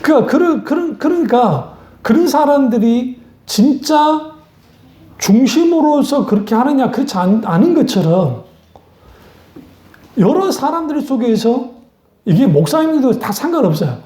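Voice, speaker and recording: A woman pastor delivers a sermon in a blunt, talky way, often putting rhetorical questions to her listeners. Her voice is mellow and dark, with pitch that rises and falls a lot. The recording carries the echo of a roomy church sanctuary. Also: sing-song, moderate pace.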